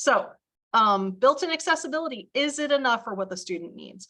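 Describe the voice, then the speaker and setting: A woman speaks with a high pitch and a bright, sharp tone. Her pitch swings very widely. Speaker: assistive technology trainer for teachers of the visually impaired. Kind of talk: webinar presentation.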